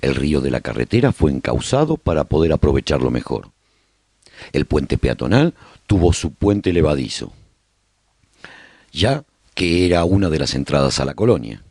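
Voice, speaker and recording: A man's voice: rumbling low, sing-song, normal speed, long pauses, darkish tone, husky, dry recording, studio quality. A man with a Spanish accent narrating a radio serial in the first person, telling the story as a survivor speaking to listeners.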